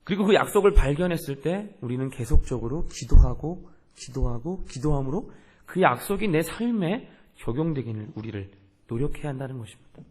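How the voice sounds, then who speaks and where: A man's voice: mid-range voice, sing-song, brisk, a little mellow. A young man, a youth pastor, preaching a sermon in an earnest way and asking the congregation questions.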